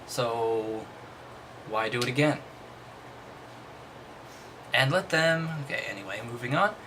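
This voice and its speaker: Low-voiced skeptical man, noisy recording. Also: pushed and bright. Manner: skeptical, dry, dismissive asides. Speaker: narrator reading and commenting on a text. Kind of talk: casual commentary between read-aloud passages.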